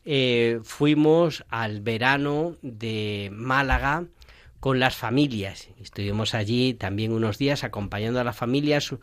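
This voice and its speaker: Playful seminarian hosting a radio chat. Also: male voice, medium pitch, a little slow, no echo, studio quality. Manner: playful, jokes about his own stumbles. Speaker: radio show host, seminarian.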